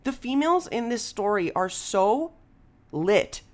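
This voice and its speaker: A woman's voice: fairly high pitch, sing-song, unhurried. A woman chatting casually and candidly on a podcast in informal, slangy language. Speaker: podcast speaker, writer and performer. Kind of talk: casual conversational interview talk.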